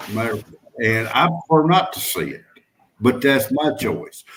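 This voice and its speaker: A man with a plain, everyday voice talks at a fairly slow pace with lively intonation. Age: 60s. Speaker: livestream panelist. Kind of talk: casual chat.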